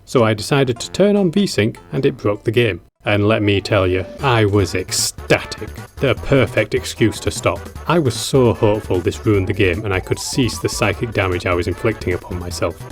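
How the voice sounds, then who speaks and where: A man narrating a scripted game review as a scathing, drily sardonic critique. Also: on the low side. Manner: dry, sardonic humour. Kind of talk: scripted video essay narration. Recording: music behind the voice. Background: background music.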